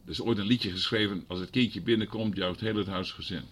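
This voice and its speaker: A man preaching a sermon who moves from quiet explaining to loud, fervent passages and keeps asking the congregation rhetorical questions. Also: fairly low pitch, fairly quick. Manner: conversational asides.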